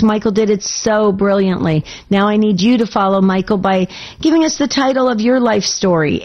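A woman's voice: medium pitch, a little mellow, dull audio. A woman hosting a call-in radio show in a casual, enthusiastic and affirming way, her voice slightly scratchy.

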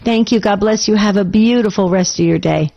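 A woman hosting a call-in radio show with a slightly scratchy voice, chatting and cheering on her callers with eager warmth of words. Her voice sits at a middling pitch, and the sound is a little dull. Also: brisk, vocal fry. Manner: enthusiastic, affirming. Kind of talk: casual talk radio hosting.

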